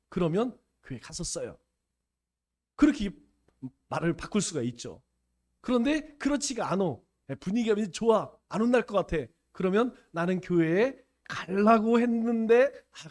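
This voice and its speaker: A man's voice: high-pitched, darkish tone. A male pastor with a Chungcheong accent, preaching a folksy sermon and acting out little dialogues. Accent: Chungcheong Korean. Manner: folksy, playful, acts out dialogues.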